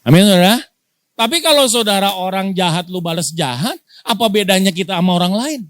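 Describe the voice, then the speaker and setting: A male pastor delivers a sermon, his voice pitched fairly high for a man. He keeps asking the congregation questions and slips into casual slang, and the sound is close and dry, with little room echo. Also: brisk. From Indonesia. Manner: lively preaching with rhetorical questions, casual slang asides. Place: church.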